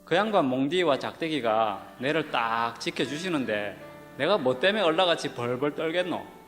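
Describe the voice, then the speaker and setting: A man with a Gyeongsang dialect giving a comic, loud and folksy dialect reading of a scripture passage. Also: medium pitch. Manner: loud, rough and folksy, drawn-out delivery. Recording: played recording in a reverberant hall with music behind.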